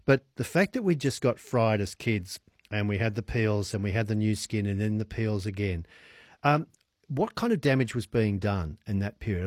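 A man's voice: fairly low pitch, darkish tone, dry recording, studio quality. An Australian man in his sixties hosting evening talkback radio, chatty and enthusiastic with playful wordplay. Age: 60s. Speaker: radio host.

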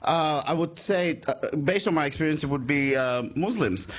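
A man's voice: a little high, moderate pace. A man from Sri Lanka on a comedy panel, cracking playful, mocking jokes. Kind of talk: joking banter.

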